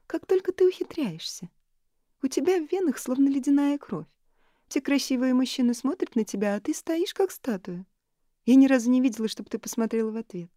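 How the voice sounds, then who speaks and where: A woman playing a lively young wife in an audiobook, teasing and insistent, her voice pitched well above the reader's own. The sound is dry and close. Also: a little fast, no room sound.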